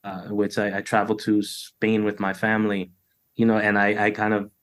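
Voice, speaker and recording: A man's voice: lowish voice, monotone, normal speed, a bit bright. A middle-aged man, talking in a reflective interview over a video call, with a loose flow full of "you know" and restarts. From United States. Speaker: poet, interview guest.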